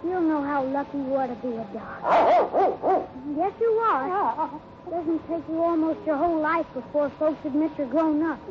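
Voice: high voice, normal speed, lightly acted. An actor voicing an eager, frustrated young ranch boy in an earnest, pleading way, in a 1950s radio western. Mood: sulky, wistful. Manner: earnest, pleading, folksy exclamations. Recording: noisy, muffled old radio recording.

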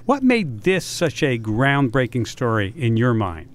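A man hosting a public radio science talk show, speaking in an animated, lively way. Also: medium pitch, unhurried.

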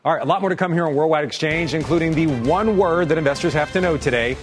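A man's voice: fairly high pitch, fast, soft background music. A man anchoring a financial news broadcast, presenting to viewers and putting questions to guests.

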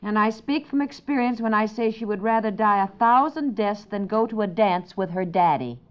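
Casting: actress as sensible, fretting wife and mother, medium-pitched, gently wry, natural domestic radio comedy on a dull vintage recording. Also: moderate pace, clean tone, natural voice. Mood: wry, knowing. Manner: conversational, gently wry, dramatizing her worries.

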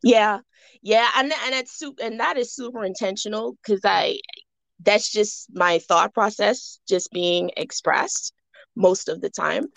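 A woman's voice: medium pitch, measured pace, gravelly, a bit bright, no room sound. A young woman from the Bahamas, a jewelry designer interviewed as a podcast guest, talking reflectively with many fillers and restarts.

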